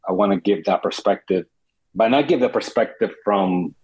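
A man's voice: fairly low pitch, normal speed, a little mellow, slightly rough, poor audio. A man from the Dominican Republic, a startup founder telling his story in an interview, earnest and reflective with many restarts.

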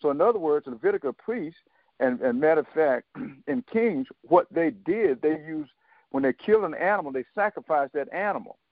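A man in his seventies, a guest on a talk radio show, telling his story haltingly with many fillers and restarts and quoting others in dialogue. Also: on the high side, expressive, no room sound. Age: 70s. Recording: dry, tinny phone line.

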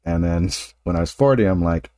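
A man's voice: low voice, fairly quick, mellow, no echo, clean studio sound. A man in his late forties hosting a casual interview, talking in a rambling, self-correcting way with frequent laughs. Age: 40s. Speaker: podcast host.

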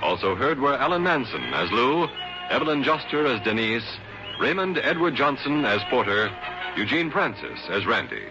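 A man announcing the closing credits of a 1960s radio drama in a crisp, formal manner. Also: mid-range voice, sing-song, moderate pace, over music. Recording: dull lo-fi vintage radio broadcast.

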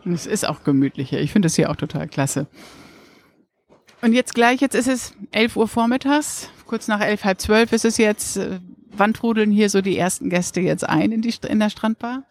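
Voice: mid-range voice, normal speed, no echo. An enthusiastic interviewer asks a beach bar owner friendly questions. The voice sits in a middle register. The recording is dry and close. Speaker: interviewer, reporter.

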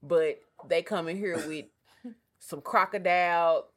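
Casting: female talk co-host, African American English, lowish voice, casual and emphatic. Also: measured pace, fairly bright tone. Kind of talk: casual conversation.

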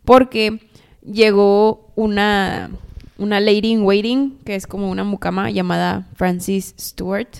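A woman's voice: mid-range voice, fairly even intonation, slow pace, vocal fry, smooth. A woman co-hosting a podcast, retelling history as chatty, dramatic gossip with asides. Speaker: podcast co-host. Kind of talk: casual storytelling chat.

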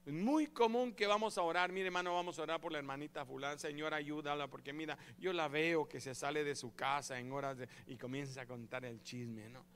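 A man preaching a sermon as pastor, lively and acting out the prayers he describes. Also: a little high, a little fast, hardly any pauses, smooth. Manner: animated, acts out quoted prayers and voices.

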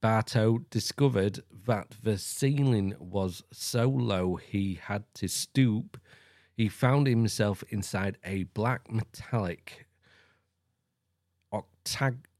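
A podcast host reads an account aloud in a casual way, cutting in with blunt, profane commentary. His voice is lowish and somewhat dark, recorded cleanly in a studio with no room sound.

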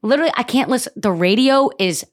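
A young woman, co-hosting a podcast in casual, animated chat. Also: on the high side, fast talker. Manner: animated, emphatic, swears casually. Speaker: podcast co-host.

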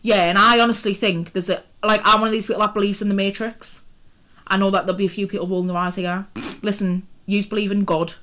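A woman's voice: medium pitch, steady tone, fast talker, a bit bright. A woman, co-hosting a podcast in a casual, jokey, sweary chat while hungover. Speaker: podcast co-host.

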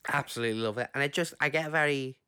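Brief: husky, just-woke-up guy, rambling chat, dry close sound. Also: medium pitch, racing, pushed and bright, no echo. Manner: rambling, self-interrupting. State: sleepy, morning husky voice. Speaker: podcast co-host. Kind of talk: casual chat.

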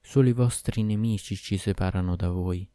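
A man's voice: sits low, normal speed, warm tone, no room sound, natural voice. A man voicing a passionate, cruel sorceress queen in a storybook reading, lamenting and pleading. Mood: lovesick lament.

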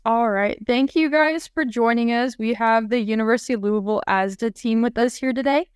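A woman's voice: on the high side, brisk, clear, resonant tone, no echo, clean studio sound. A woman moderating an interview and welcoming the guests in an upbeat way. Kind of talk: casual moderating.

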